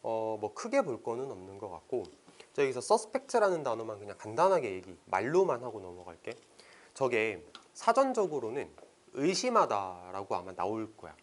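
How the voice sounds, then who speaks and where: Male English tutor, casual classroom delivery, animated intonation. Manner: explains line by line, reads English sentences slowly; lively pitch, casual teacher's speech. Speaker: English teacher. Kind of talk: exam passage explanation lesson.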